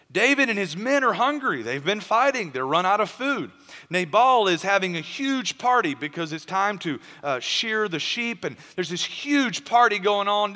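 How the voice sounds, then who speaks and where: A man's voice: on the high side, bright, forceful tone, big-room sound. A male pastor preaching a sermon, telling Bible stories emphatically with frequent repeated words.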